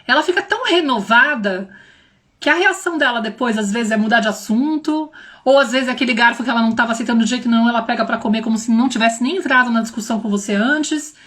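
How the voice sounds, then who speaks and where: A young woman with a high, bright-toned voice gives a casual livestream talk as a parenting mentor. Her São slips in often, and she talks straight to her viewers with lively, animated delivery. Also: fast. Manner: animated, addresses viewers directly, acts out quoted voices.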